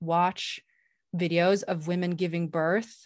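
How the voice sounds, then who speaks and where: In a Swedish accent, a woman speaks at a fairly slow pace with a medium-pitched voice against a quiet background. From Sweden. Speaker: sex and birth coach. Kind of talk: interview.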